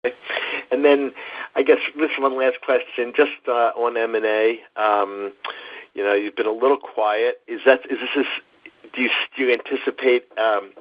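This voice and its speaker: A man asking questions as an analyst on an earnings call, halting and rephrasing as he goes. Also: mid-range voice, fairly even intonation, no echo. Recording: dull, dry phone-call audio.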